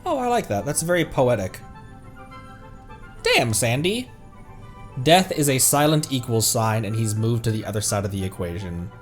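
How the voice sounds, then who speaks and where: A man's voice: mid-range voice, animated, normal speed, pauses often. A man giving casual live stream commentary on a game, musing in a slangy way with some mild swearing. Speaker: streamer reacting to game voice lines. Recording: faint music behind.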